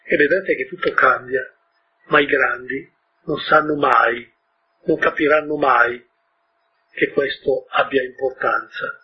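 A man with a husky voice retelling a story to an audience, often breaking off with informal asides and questions to his listeners. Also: medium pitch, fairly even intonation, slow, pauses often, highs cut off.

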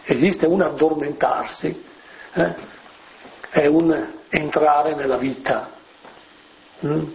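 A man preaching a homily in a fairly high voice, talking to his listeners as if in conversation, dropping little rhetorical questions and soft fillers as he explains the text. The recording is muffled and lo-fi, with a faint hiss underneath. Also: steady tone, slow pace, creaky, pauses often.

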